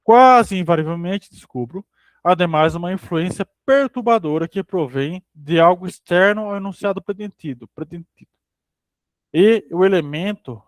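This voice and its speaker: A man reading a philosophy book aloud for a study group, steady but sometimes stumbling and rereading phrases. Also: high voice, no room sound.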